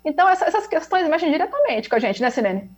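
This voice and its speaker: A woman's voice: very high-pitched, sing-song, fast, poor audio. A woman with an interior São Paulo accent, a researcher and teacher trainer giving a reflective, explanatory talk over a video call. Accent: interior São Paulo (rolled caipira R). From interior of São Paulo state, Brazil. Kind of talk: web conference presentation.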